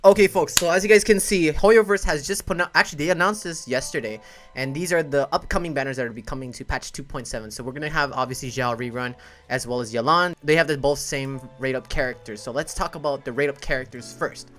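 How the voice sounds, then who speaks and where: Guy doing casual game commentary, emphatic and explainy, medium pitch, music playing behind him. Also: quick pace, fairly bright tone. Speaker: content creator, host.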